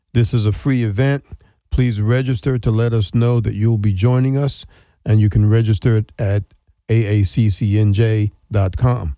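A male talk show host reads announcements and a guest bio in a steady, scripted way. His voice is mellow and dark, recorded close with no room sound. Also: medium pitch, dry recording.

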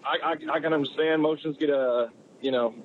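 A man calls in to a sports show and rambles hesitantly through his point. His slightly high voice comes over a dull phone line with faint road noise behind it. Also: steady tone, fairly quick. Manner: hesitant, rambling, many fillers. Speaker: caller. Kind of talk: phone-in opinion.

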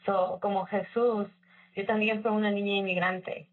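Woman raised in Chicago, reflective interview guest, husky voice, distant phone-like sound. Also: mid-range voice, fairly even intonation, normal speed. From Chicago area, United States. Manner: reflective, with frequent fillers and English phrases mixed in. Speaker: scholarship recipient guest. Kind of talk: casual personal story in an interview. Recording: far-off tinny phone-like line.

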